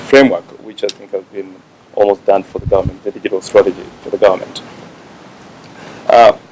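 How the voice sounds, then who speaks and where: A man from a regional telecom body giving a formal speech, halting with fillers. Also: fairly low pitch, creaky, darkish tone, slight background noise, rough recording. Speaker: visiting official from a regional telecom organisation.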